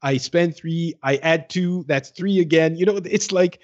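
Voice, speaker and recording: A man's voice: fairly high pitch, a little slow, muffled recording. A man co-hosting a casual gaming podcast, thinking aloud in a hesitant way. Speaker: podcast co-host.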